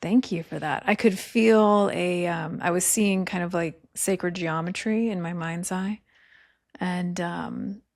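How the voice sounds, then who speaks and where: Low, gravelly-voiced female podcast host; soft, hesitant delivery, dry room. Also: steady tone, no echo. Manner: soft, halting, filler-heavy. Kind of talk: casual interview talk.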